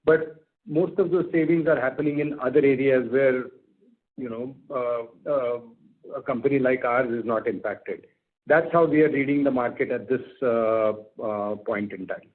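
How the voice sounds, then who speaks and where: A man's voice: mid-range voice, moderate pace. Male executive on tinny phone line. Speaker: company executive. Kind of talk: explaining business outlook on an earnings call. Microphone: telephone conference call.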